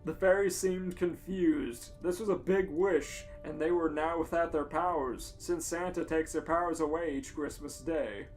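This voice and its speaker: Podcast host reading a silly story out loud, giggly, music in the background. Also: mid-range voice, fairly even intonation, normal speed, hardly any pauses, rough recording. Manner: amused, giggly. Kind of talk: comic read-aloud of a story.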